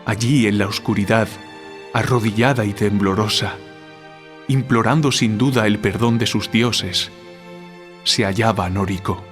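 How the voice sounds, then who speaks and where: Guy acting as troubled writer, lowish solemn voice, audio drama, music behind him, sounds guilt-ridden. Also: fairly even intonation, lightly acted. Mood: solemn narrating. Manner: solemn, deliberate, literary. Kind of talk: audio drama, literary storytelling.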